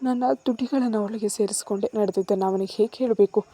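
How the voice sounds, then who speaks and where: A woman narrating a romantic story in the first person, in a soft, emotional way. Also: mid-range voice, steady tone, fast, dry recording.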